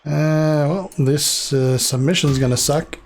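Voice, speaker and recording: A man's voice: a little high, slow. A young man from Canada with a French Canadian accent, casually rambling as he answers viewer questions on a live game stream. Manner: relaxed, rambling with fillers and restarts.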